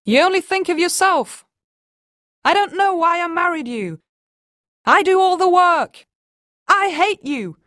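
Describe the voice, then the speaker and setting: Exasperated young mother, sharp-tongued, high and strained, read by a woman. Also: expressive, unhurried, no room sound, clean studio sound. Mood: frantic. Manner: shrill and frantic when arguing.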